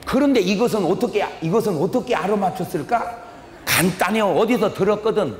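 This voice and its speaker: Animated high-voiced preacher in an echoey hall. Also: male voice, fairly quick, a little hiss or hum. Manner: folksy storytelling, quizzes the audience, acts out quarrels. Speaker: pastor. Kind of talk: humorous revival sermon. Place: large church hall. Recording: echoey hall with long reverb.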